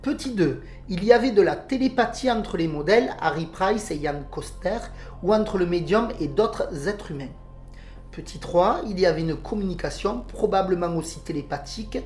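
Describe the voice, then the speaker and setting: A woman's voice: lowish voice, expressive, normal speed, darkish tone, faint music behind. A woman with a southern French accent, co-hosting a podcast and reading out a report, hesitating with fillers when she talks freely. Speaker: podcast co-host. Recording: roomy home podcast recording.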